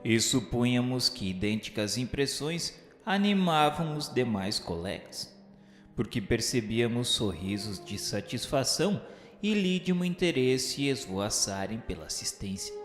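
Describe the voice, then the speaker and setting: A man's voice: mid-range voice, lively intonation, a little slow. A man narrating a radio novel in a solemn, grandiloquent, declamatory literary style. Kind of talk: scripted dramatic literary narration. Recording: echoey hall with faint music. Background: faint music.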